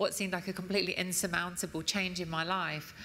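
The delivery moves at a fairly quick pace with monotone, flat intonation. Light background noise sits underneath. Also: woman. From northern England, Nottingham; northern England. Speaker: journalist. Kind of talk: panel discussion on stage. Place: stage. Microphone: lapel.

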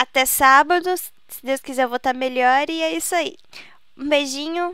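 A woman's high-pitched, raised and projected voice with a bright, sharp tone, ordinary pitch variation, a moderate pace and long, frequent pauses. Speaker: gaming YouTuber. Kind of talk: casual vlog update.

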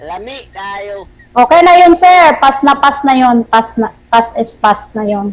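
This woman talks at a very slow pace. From Sarangani, Mindanao, Philippines. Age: 40s. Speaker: overseas Filipino worker, dating show participant. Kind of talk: casual chat.

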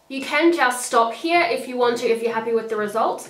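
A woman's fairly high-pitched voice with audible room echo and noticeable background noise. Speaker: beauty vlogger. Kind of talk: makeup tutorial.

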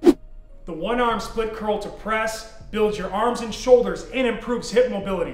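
Speech comes at a moderate pace amid audible room echo, with faint music playing in the background. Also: man. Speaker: fitness trainer. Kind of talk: tutorial. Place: gym.

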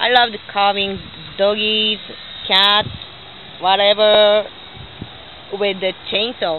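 A woman speaks at a very slow pace in a monotone, flat delivery, with dry sound, no echo and light background noise. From Japan. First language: Japanese. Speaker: chainsaw carver. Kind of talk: casual talk to camera. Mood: friendly, enthusiastic. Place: open country. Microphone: phone near.

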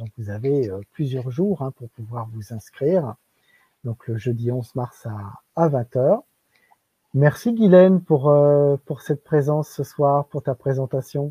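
A man speaks very slowly in a dark, mellow, somewhat breathy tone, his loudness swinging widely and his pitch varying in an ordinary way. The sound is dry with no echo, over a quiet background. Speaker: webinar host. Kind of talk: hosting a live online talk. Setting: video livestream. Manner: hesitant, repeats words. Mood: warm, friendly. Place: home room. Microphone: earbuds.

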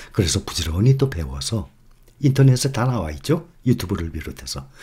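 With a dark, mellow tone and vocal fry, a man's voice moves through very wide pitch swings. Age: 60s. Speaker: YouTuber giving financial advice. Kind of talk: monologue lecture. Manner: deliberately slow.

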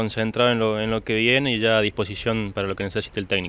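Here a man speaks at a fairly low pitch. The sound is dry, with no echo. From Argentina, Córdoba city; Córdoba, Argentina. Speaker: footballer. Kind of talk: interview; interview answer. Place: hall. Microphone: handheld.

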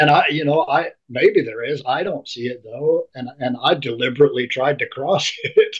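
Against a quiet background, a man speaks at a moderate pace with hardly any pauses. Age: 50s. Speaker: former church member sharing his story; interview guest. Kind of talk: interview testimony. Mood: reflective, relaxed. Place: home room. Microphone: video call.

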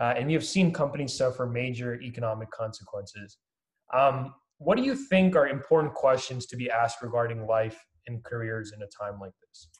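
A somewhat breathy man talks with ordinary pitch variation and big swings in loudness over a quiet background. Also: fairly quick pace. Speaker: panel moderator and organization founder; panel moderator. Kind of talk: moderated panel discussion. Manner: halting, many fillers. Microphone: video call.

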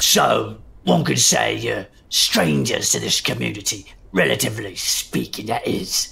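A man puts on a character voice that is raspy with a very deep, low pitch. His tone is menacing, and his pace is moderate. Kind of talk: audio drama performance. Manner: menacing, sarcastic.

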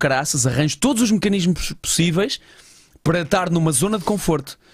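A somewhat breathy man talks at a very fast pace in a European Portuguese accent. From Portugal. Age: 30s. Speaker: podcast host. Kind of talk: casual interview chat. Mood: reflective, candid. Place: studio. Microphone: studio mic.

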